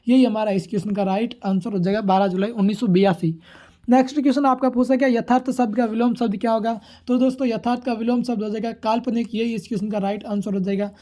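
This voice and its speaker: A man's voice: very high-pitched, dark tone. A man teaching exam prep, going informally through questions and answers in a repetitive, formulaic way.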